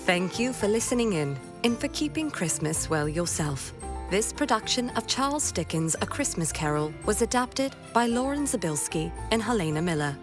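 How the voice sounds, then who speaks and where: A woman's voice: mid-range voice, very animated, normal speed. A woman reading a scripted announcement as the credits announcer of an audio production. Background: prominent music.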